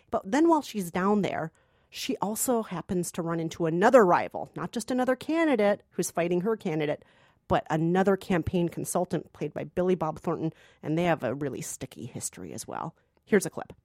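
A woman's voice: fairly low pitch, darkish tone, no echo, clean studio sound. A woman co-hosting a movie podcast, chatting casually and conversationally with a wry, joking manner. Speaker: podcast co-host, culture producer. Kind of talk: casual movie review chat.

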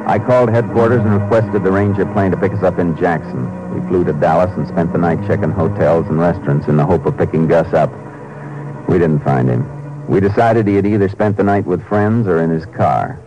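An actor playing a stern, terse Texas Ranger in a steady, matter-of-fact 1950s radio drama style. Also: male voice, low-pitched, brisk, highs cut off, over music, natural voice. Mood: firm, steady. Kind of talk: 1950s radio drama acting with first-person narration. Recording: vintage 1950s radio recording.

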